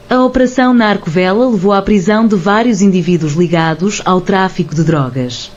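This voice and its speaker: Flat voice reading news, kinda dull muffled sound. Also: mid-range voice. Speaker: news narrator. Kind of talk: scripted news narration.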